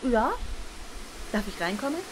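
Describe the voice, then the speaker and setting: A woman's voice: on the high side, lively intonation, unhurried, noisy background. A woman playing an earnest, principled young adult daughter in a naturalistic radio drama. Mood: tentative, casual. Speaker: voice actor in an audio drama.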